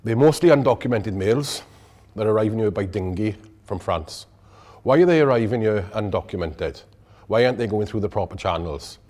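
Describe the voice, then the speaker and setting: A man with a Welsh accent, speaking to an interviewer in a steady, serious way. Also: fairly low pitch, a little fast. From Wales. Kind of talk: documentary interview.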